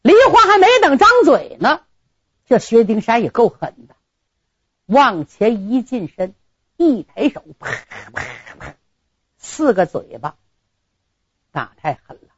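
A woman's voice: fairly high pitch, very animated, measured pace, pauses often, husky, no room sound, muffled recording. A woman performing a traditional story, dramatic, with sound words and asides to listeners.

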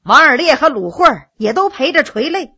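Woman storyteller, really lively and sing-songy, high bright voice, dramatic phrasing. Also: fairly quick, dull audio. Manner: animated, rhythmic, dramatic phrasing. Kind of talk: traditional oral storytelling.

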